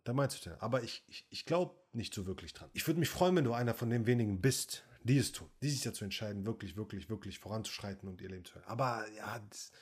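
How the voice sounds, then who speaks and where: A man's voice: fairly low pitch, lively intonation, fast, few pauses, darkish tone, husky. A man giving a blunt, confrontational coaching monologue, lecturing the listener directly and sometimes mocking them in a whiny voice. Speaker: men's coach.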